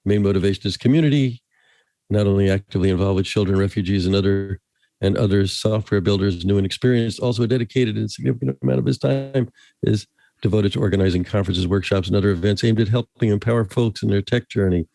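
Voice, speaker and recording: A man hosts a relaxed interview, dropping jokes and little chuckles between questions. His voice sits low and warm, with a soft, unforced tone and a dry, close sound. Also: fast, vocal fry, no room sound. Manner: jokey, chuckling asides. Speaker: podcast host. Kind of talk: casual interview chat.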